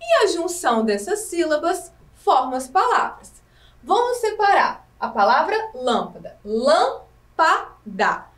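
A woman with a high, sing-song voice teaches small children, slow and clear, asking them questions as she goes. She stands a bit back from the mic in an echoey room. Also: big pitch swings, recorded from a distance. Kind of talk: recorded lesson for young children.

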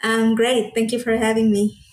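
A woman from Honduras, a native Spanish speaker, talking in an interview in a soft-spoken, slightly nervous way. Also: a little high, level tone, moderate pace. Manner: soft-spoken, a little nervous, laughs lightly. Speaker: interview guest. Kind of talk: casual interview.

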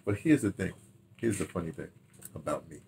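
An older man with a lowish voice chats casually to the camera at home. He rambles through memories, wandering off on tangents and repeating phrases, sometimes talking half to himself. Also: expressive, a little fast, vocal fry, darkish tone, slight background noise. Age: older, 60s or 70s. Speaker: radio drama director and producer reminiscing. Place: furnished room at home, indoors.

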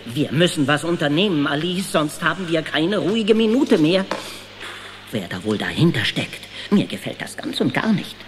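A man's voice: a little high, animated, normal speed, noisy background, natural voice. An actor playing an anxious, easily frightened male worm in a children's audio drama, fretful and dramatic. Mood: worried.

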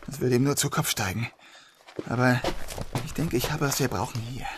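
An actor playing a composed, dryly confident police detective in a German crime audio drama. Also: male voice, mid-range voice, heavy background noise, close to an everyday voice. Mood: wry, hushed. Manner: measured, dry, commanding.

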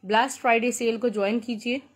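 A woman with a Pakistani accent hosting an informal live shopping sale, pitching repetitively and mixing in English words. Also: fairly even intonation, quick pace. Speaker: live-sale host selling clothes.

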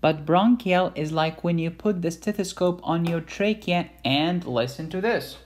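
A man's voice: fairly high pitch, unhurried. A man giving an informal medical lecture in a playful, blunt and emphatic way. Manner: playful, blunt, emphatic teaching with mild cursing.

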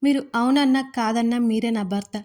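A woman voicing a frightened, tearful but stubborn young bride who pleads softly in an audio storybook. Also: fairly high pitch, fairly quick, natural voice. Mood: pleading, tearful.

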